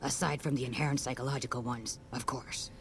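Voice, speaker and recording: A woman voicing a weary female ghoul scientist in a video game, matter-of-fact and brisk. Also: extremely low pitch, steady tone, a little hiss or hum. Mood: dry.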